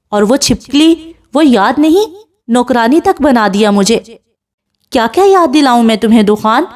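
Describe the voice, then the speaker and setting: A bitter young woman lying sick in a hospital bed, as a woman reads her part, tearful and accusing, with her voice raised. Her voice sits fairly high. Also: darkish tone.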